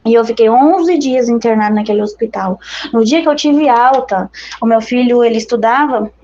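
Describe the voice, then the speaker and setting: A woman's voice: on the high side, moderate pace, warm tone, dull audio. A woman missionary with a Brazilian accent giving an earnest, conversational religious testimony to her brothers and sisters in faith.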